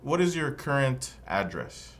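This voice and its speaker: A man's voice: medium pitch, big pitch swings, a little slow. A man voicing an immigration officer who asks formal, neutral questions in a scripted practice dialogue. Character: male immigration officer conducting an interview.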